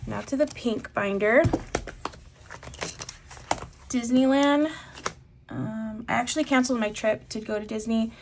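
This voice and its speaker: A young woman talks through her weekly budget in a loose, rambling way, pausing on fillers as she decides each amount. Her voice sounds a little congested from a lingering cough. Clear clicks and tapping sit behind her. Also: on the high side, slight background noise. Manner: chatty, thinks aloud with many fillers. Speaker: budgeting vlogger. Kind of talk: casual voice-over while cash stuffing.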